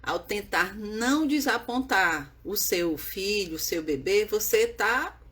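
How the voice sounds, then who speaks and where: Husky-voiced woman explaining patiently. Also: mid-range voice, lively intonation, slow pace, fairly bright tone. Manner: earnest, repetitive, checks in with "né?" and "certo?". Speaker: baby sleep educator. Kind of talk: explaining to viewers on camera.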